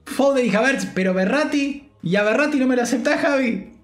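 A young man with a Rioplatense Spanish accent, commenting on game pack openings in an animated, slangy, joking way. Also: very high-pitched, fairly quick, roomy sound, soft background music. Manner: animated, slangy, jokey, shouts with joy. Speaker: gaming streamer.

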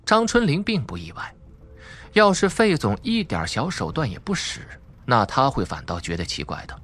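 Animated male suspense audiobook narrator. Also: medium pitch, normal speed, slightly rough. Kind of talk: dramatic scripted narration of suspense fiction.

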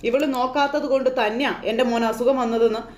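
A sharp-tongued old grandmother scolds her family in a high, drawn-out voice, as a woman storyteller puts her on. She sounds reproachful and tearful, heard in a roomy, echoing space. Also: steady tone, close to an everyday voice. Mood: scornful. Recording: roomy echo.

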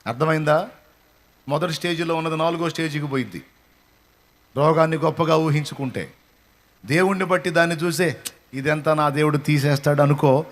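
A male pastor preaching a sermon with impassioned, repetitive exhortation that swells into loud declarations. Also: fairly high pitch.

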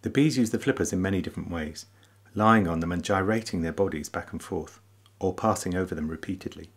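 A man narrating a short nature documentary in a calm, measured, explanatory voice-over. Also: deep voice, breathy edge. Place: voice-over, not recorded in the pictured hive.

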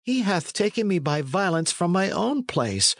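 A man's voice: high-pitched, big pitch swings, unhurried, a bit bright, no echo, clean studio sound, voice pushed up, exaggerated voice. A man voicing a plaintive, delicate but proud young runaway in a storybook, in courtly pleading archaic speech. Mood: aggrieved. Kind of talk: storybook character reading.

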